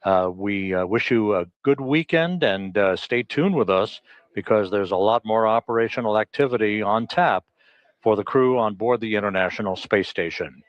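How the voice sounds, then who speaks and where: A man with a lowish voice delivers live spaceflight commentary as a mission control announcer. He speaks in a measured, official way, with a dry, slightly dull sound. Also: no room sound.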